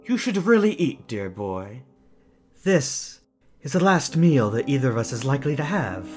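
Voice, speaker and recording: A man's voice: medium pitch, very animated, moderate pace, faint music behind, natural voice. An actor playing a deranged, genteel villain in an audio drama, formal and mocking, savoring his words with menacing sweetness. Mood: resigned, sinister.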